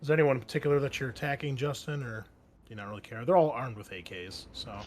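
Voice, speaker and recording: A man's voice: medium pitch, quick pace, a little hiss or hum. A man narrating a tabletop roleplaying game as game master, describing scenes in a casual, improvised way.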